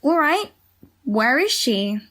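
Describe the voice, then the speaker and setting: Woman acting a slow, high-voiced, grumbling young woman. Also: sing-song, fairly bright tone, full character voice. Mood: skeptical. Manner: terse, grumbling, sardonic. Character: irritable, gloomy young woman with a failing memory. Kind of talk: audio drama acting.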